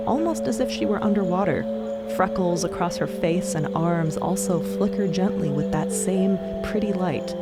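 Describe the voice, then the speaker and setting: A woman narrating a scripted story in a descriptive storytelling style. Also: fairly low pitch. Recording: loud music behind narration.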